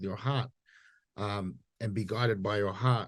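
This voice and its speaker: A man with a New Zealand accent speaks fairly low at a moderate pace, his intonation fairly even against a quiet background. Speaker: PhD researcher and photographer. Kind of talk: conference presentation.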